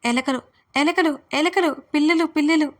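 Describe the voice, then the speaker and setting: A woman voicing a playful, childish young woman who squeals and shouts in an audio story. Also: a little high, level tone, moderate pace, close to an everyday voice. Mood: loud playful.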